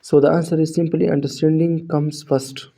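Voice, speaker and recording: Male English teacher, South Asian accent, native Urdu or Hindi speaker. Very mellow tone, flat intonation, scripted and encouraging instructional read. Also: fairly high pitch, moderate pace, gravelly. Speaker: English teacher introducing an online course. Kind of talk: scripted lesson narration.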